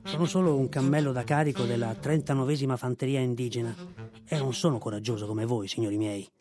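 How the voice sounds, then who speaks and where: A man's voice: medium pitch, fairly even intonation, fast, warm tone, soft background music, lightly acted. A man voicing a timid, fearful male pack camel who pleads humbly and anxiously in a storybook reading. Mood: humble.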